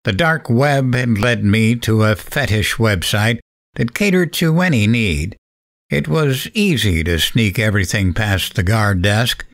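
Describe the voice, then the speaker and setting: An actor playing a cocky, vengeful late-night radio host, sardonic and goading, in dramatic narration and interview. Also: male voice, on the low side, lively intonation, a little slow, a bit bright. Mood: grim, accusing.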